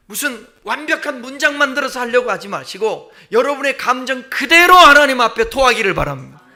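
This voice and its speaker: A man's voice: extremely high pitch, bright, forceful tone. A man preaching a Sunday sermon as pastor, emphatic, often acting out heartfelt prayers with rising intensity. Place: church sanctuary.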